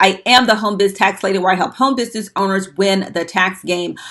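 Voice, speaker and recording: A woman of medium pitch at a very fast pace, with ordinary pitch variation. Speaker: tax professional, online show host. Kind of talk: casual explainer vlog. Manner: animated.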